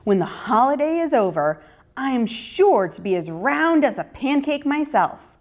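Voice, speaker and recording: Woman voicing a high-pitched, clever little storybook girl. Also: very animated, unhurried, a little mellow. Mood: earnest, persuasive. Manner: polite, earnest, persuasive. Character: brave, clever little girl fooling a wolf. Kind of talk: children's storybook character voice.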